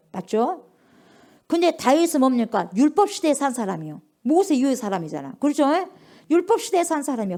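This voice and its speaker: A middle-aged woman pastor preaching a lively sermon, asking the congregation questions and acting out little dialogues. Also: on the high side. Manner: lively call-and-response preaching, acts out dialogue.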